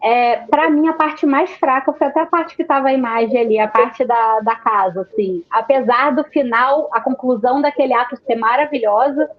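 High-voiced Carioca woman talking Rio street slang. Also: normal speed, hardly any pauses, highs cut off. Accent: Carioca (Rio de Janeiro). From Rio de Janeiro, Brazil. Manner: informal, slangy, swears casually. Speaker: panelist discussing films. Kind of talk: casual film discussion with Rio street slang.

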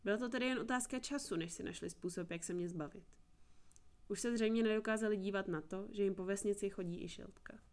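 A woman's voice: medium pitch, close to an everyday voice. A woman reading a captive young woman, earnest. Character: young woman held captive, eager and bitter. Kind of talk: audiobook reading.

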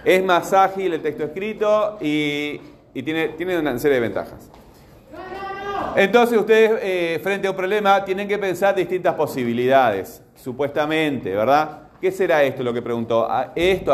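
A man's voice: fairly high pitch, expressive, moderate pace, a little hiss or hum. A man teaching a class, patiently questioning his students as he goes. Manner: patient, asks the class repeatedly.

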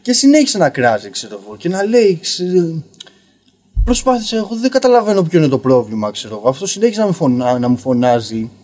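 A young man telling a story casually on a podcast as a guest comedian, rambling and filling pauses with "you know". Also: a little high, big pitch swings, darkish tone. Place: basement podcast studio.

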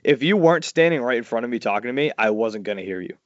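A man, hosting a casual podcast chat and telling stories loudly, his voice jumping up high when he gets worked up. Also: quick pace, no room sound. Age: 40s. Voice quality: loud voice. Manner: animated storytelling, swings high when excited. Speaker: podcast host. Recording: dull lo-fi dry sound.

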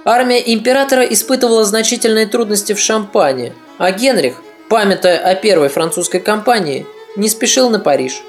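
A podcast narrator reading a scripted history story in a steady, even manner. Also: medium pitch, fairly quick, hardly any pauses, faint music behind.

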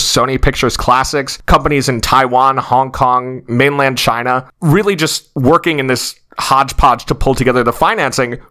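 A young man co-hosting a casual film podcast, chatty and animated as he tells stories. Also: medium pitch. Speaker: podcast co-host.

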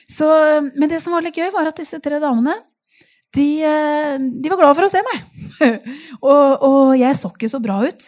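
A woman telling a personal faith testimony in an animated, chatty way, laughing often and using many fillers. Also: sits high. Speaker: speaker giving a faith testimony.

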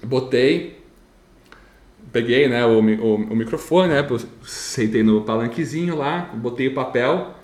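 A man's voice: mid-range voice, unhurried. Young guy from brazil telling a story, stammers a bit, lots of repeats, kinda roomy echo. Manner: animated, repeats words, slight stammer. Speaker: storyteller recounting his graduation speech. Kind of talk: casual storytelling chat.

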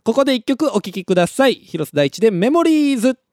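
A young man with a Kansai accent, hosting a live radio show and telling stories in a casual, animated way. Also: very high-pitched, fast talker, dry recording, studio quality. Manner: animated storytelling, laughs at his own story.

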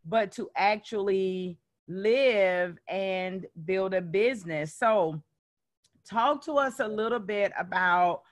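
A woman hosting a podcast, putting her questions to a guest slowly and with deliberate emphasis. Her voice is mid-pitched, and the sound is dry, with no room echo. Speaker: podcast host. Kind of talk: podcast interview.

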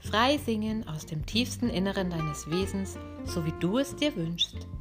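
A woman hosts a podcast as a voice coach, talking straight to the listener in a lively, friendly way and showing the examples with her own voice. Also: mid-range voice, unhurried, music in the background. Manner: lively, addresses listener directly, demonstrates voice examples.

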